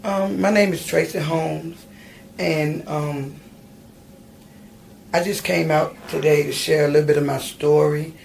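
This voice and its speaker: Gravelly-voiced woman telling her story. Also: low voice, steady tone, measured pace, pauses often, darkish tone, a little hiss or hum. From Virginia, USA. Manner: hesitant, many ums and restarts. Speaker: guest. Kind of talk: personal storytelling in an interview. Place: podcast studio.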